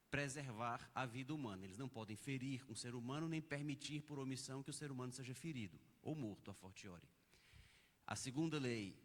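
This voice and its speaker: A Brazilian man delivers a conference lecture in a mid-range voice. He is patient and explanatory, building his points with examples. His words ring out with the long reverb of a big auditorium. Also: medium pitch. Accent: Brazilian Portuguese. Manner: didactic, explains step by step with examples.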